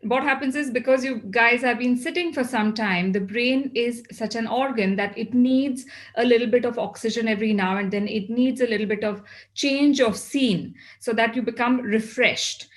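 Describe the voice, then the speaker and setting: A woman's voice: on the high side, moderate pace. A woman with a South Asian accent gives a motivational well-being talk to a group, instructing and often posing questions that she answers herself.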